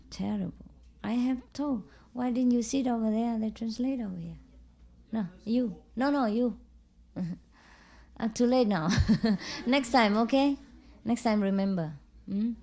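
This warm, fairly high female voice belongs to a spiritual teacher telling a story to followers in a casual talk. She fills it with small "ừ" and "à" sounds, keeps checking understanding with "hiểu chưa?", and snaps into brisk scolding asides aimed at her attendants.

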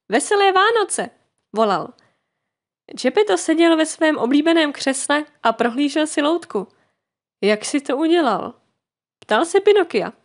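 Lively high-voiced woman reading a fairy tale. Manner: expressive, voices the characters lightly. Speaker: storyteller.

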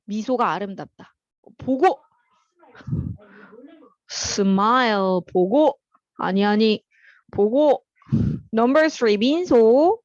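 A woman teaching an English vocabulary class. She calls on students by name, explains words in Korean, and reads the English example sentences slowly and carefully. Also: a little high, expressive, darkish tone, dry recording, highs cut off.

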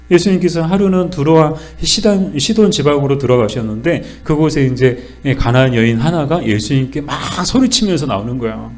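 A man's voice: medium pitch, a little mellow. A middle-aged man teaching a church Bible study, explaining with questions and answers and acting out the lines he quotes.

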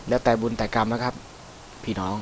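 A man giving casual, chatty commentary over a video game, swearing freely and breaking into excited whoops. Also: mid-range voice, slight background noise. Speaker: gameplay commentator. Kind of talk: casual let's-play commentary.

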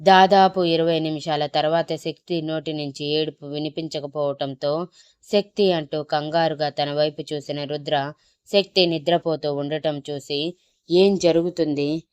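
A woman narrating an emotional love story in a steady, flowing way. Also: deep voice, a little slow, smooth, dry recording.

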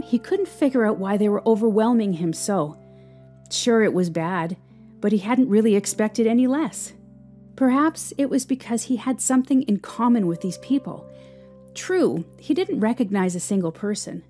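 A woman narrates a scripted audio drama in a measured, expressive and somber way. Her voice is medium-pitched, with instrumental music playing beneath it.

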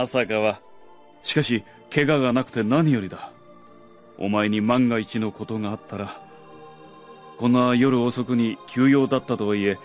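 An actor playing a kindly, protective young noble master in a Japanese radio drama. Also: male voice, medium pitch, natural voice. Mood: tender relieved. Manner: gentle, concerned, well-mannered.

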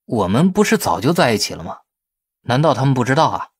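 A man's voice: mid-range voice, sing-song, fast, slightly rough, dry recording, studio quality. A man voicing a cocky, teasing young businessman in an audiobook, glib and mock-innocent.

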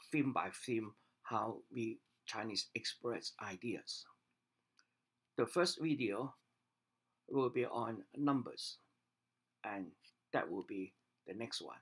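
An older man, a native Cantonese speaker, gives a measured video lesson in English from his home study, recorded on a desk webcam, with pauses and restarts. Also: lowish voice, fairly bright tone, slightly rough. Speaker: language teacher. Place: home study with bookshelves, indoors.

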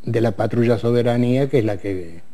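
A man in his eighties with an Argentine Spanish accent, a guest on a TV studio interview, talking in a halting way with many fillers and restarts. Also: mid-range voice, mellow. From Córdoba, Argentina. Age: 80s. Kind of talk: casual interview. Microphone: lapel.

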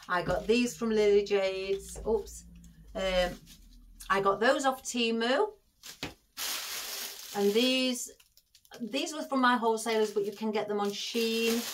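A woman with a chatty manner, giving a craft tutorial and calling her viewers guys as she talks them through each step. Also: mid-range voice. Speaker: florist demonstrating an arrangement.

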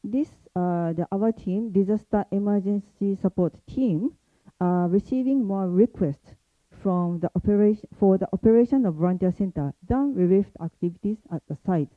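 A woman giving a prepared university presentation, speaking carefully and hesitantly, with many pauses and fillers. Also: medium pitch, no room sound. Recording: tinny phone-like sound, dry.

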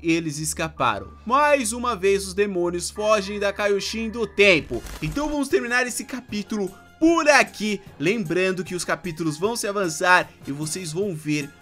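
A man's voice: sits high, moderate pace, hardly any pauses, soft background music. A man narrating an anime episode recap as a channel host, talking straight to his viewers. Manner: animated storyteller, addresses viewers directly.

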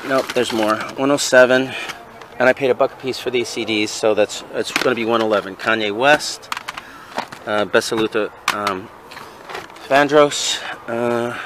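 A man's voice: mid-range voice, background noise. A man filming his flea market finds outdoors beside a van, tallying up what he spent with a lot of fillers. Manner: mumbled, hesitant, counting aloud with fillers. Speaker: flea market vendor and vlogger. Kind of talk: casual vlog narration, tallying purchases. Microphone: handheld camera, filming first-person.

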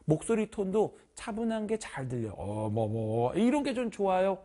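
A man imitating a soft-spoken polite student. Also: sits high, sing-song, moderate pace. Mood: pleading. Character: mild student wanting calm, quiet lectures.

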